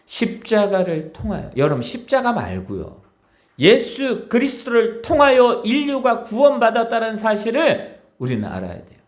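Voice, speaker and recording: A man's voice: high voice, huge pitch swings, normal speed. A man preaching a sermon as pastor, emphatic, repeating key words and tossing rhetorical questions to the congregation.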